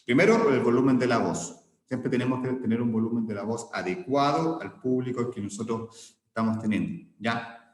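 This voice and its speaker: A man's voice: mid-range voice, normal speed, darkish tone. A man gives an online lecture, explaining patiently and checking in with the listeners. His mid-range voice rings in a bare, echoey room with a long reverb tail. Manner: explanatory, frequent "¿ya?" check-ins and restarts. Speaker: teacher.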